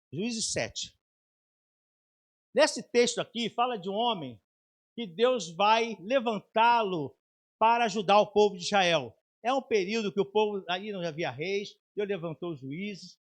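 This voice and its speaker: A man with a Brazilian Portuguese accent preaching a sermon as pastor, emphatic and fervent. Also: high voice. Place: church.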